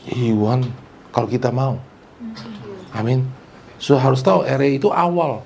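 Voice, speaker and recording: A man preaching a church sermon, mixing English phrases into his talk and swinging between loud, high emphasis and low, quiet asides. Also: lively intonation, normal speed, vocal fry. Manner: mixes English phrases into preaching, repeats "saudara" and "amin". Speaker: pastor.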